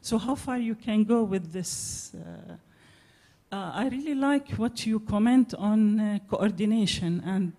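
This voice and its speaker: Mellow-voiced Palestinian woman asking a question. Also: medium pitch, measured pace. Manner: hesitant, searching for words. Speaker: audience member asking a question. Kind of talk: conference floor question. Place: conference hall.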